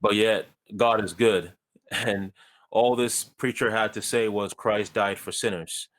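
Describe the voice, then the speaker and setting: A man from Ghana, a guest in a conversation, telling his life story in a measured, earnest way with light self-deprecating humor. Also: fairly low pitch, steady tone, a bit bright.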